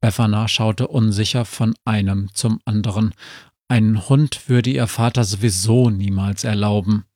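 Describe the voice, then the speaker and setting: A man narrating a children's story in a calm, measured reading. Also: lowish voice, no echo, clean studio sound. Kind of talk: audiobook reading.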